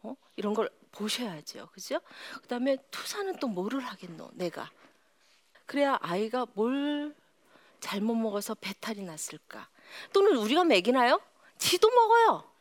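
A woman lecturer leads a psychology class. Her voice sits a little high and swings widely in pitch. Now and then she sinks into a near whisper to make a point. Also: normal speed. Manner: animated, often drops to a whisper. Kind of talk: lively lecture with audience exercises. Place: lecture hall with live audience.

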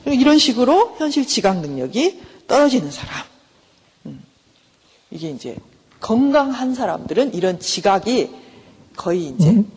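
Her medium-pitched voice swings widely in pitch and sounds a little mellow and husky. This middle-aged professor lectures conversationally on counseling, asking the class questions, answering them herself, and performing brief everyday exchanges in changing voices, all in a lecture hall with long reverb.

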